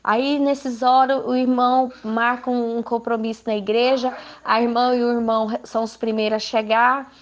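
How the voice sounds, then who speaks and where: A woman's voice: on the high side, level tone, moderate pace, few pauses, dull audio. A woman with a Brazilian Portuguese accent giving an informal Christian teaching to women, talking conversationally and asking her listeners rhetorical questions. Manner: conversational, asks rhetorical questions, frequent tag questions. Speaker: women's ministry speaker.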